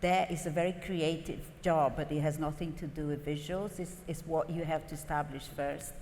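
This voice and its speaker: A woman design partner on a live panel, explaining her thinking in a thoughtful, measured way. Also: deep voice, steady tone, a little mellow, slight background noise. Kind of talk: unscripted panel talk. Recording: reverberant live conference hall.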